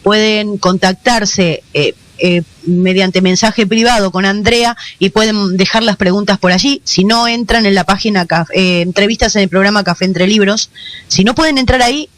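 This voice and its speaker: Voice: mid-range voice, moderate pace, a bit bright. A radio host with a Rioplatense Spanish accent, speaking casually and chattily with fillers while questioning a guest. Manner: chatty, loose, uses voseo, with fillers.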